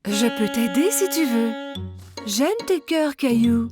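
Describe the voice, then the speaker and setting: Kind, animated young nanny. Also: female voice, on the high side, takes it slowly, over music. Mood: kind, encouraging. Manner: gentle, encouraging. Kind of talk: children's cartoon dubbing.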